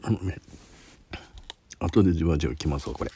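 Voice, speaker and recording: A man's voice: a bass voice, animated, quick pace, dark tone, slight background noise. A man with a Kansai accent talking casually on a solo podcast while reviewing a spicy snack, sweaty and sniffling. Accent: Kansai Japanese. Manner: chatty, self-deprecating, sniffling while eating spicy food. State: sweating and runny nose from spicy food.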